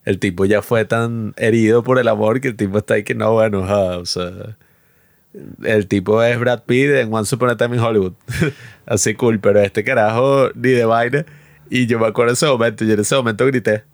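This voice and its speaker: Gravelly man telling jokes. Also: fairly low pitch, steady tone, normal speed, no echo. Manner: jokey, tells anecdotes with voiced characters. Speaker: podcast co-host. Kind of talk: casual chat.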